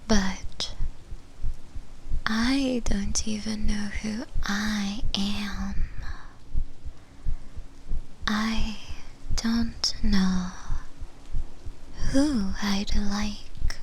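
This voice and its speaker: A woman voicing a lonely, yearning shadow demon in a breathy, hesitant whisper, as an intimate ASMR roleplay. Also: mid-range voice, slight background noise, poor audio. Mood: wistful, uncertain. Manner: hesitant, drawn-out, pausing between phrases.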